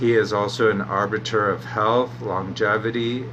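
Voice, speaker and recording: Speaking with an American accent, a man talks at a very slow pace. The room echo is audible, and there is noticeable background noise. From United States. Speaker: tarot reader, occult livestreamer. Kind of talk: livestream tarot reading, partly reading aloud. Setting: Facebook live stream.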